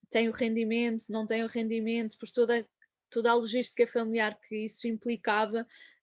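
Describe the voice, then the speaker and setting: A woman at a fairly quick pace, with a slight Madeiran accent, against a quiet background. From Madeira, Portugal. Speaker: performance coach. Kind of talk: interview.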